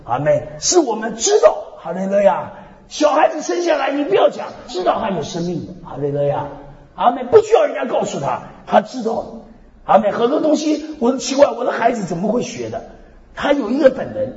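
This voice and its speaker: A man preaching a sermon with lively storytelling, repeating "hallelujah, amen" again and again, swinging between loud and soft. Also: extremely high pitch, brisk. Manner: peppers speech with "hallelujah, amen" refrains. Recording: echoey hall, dull lo-fi sound.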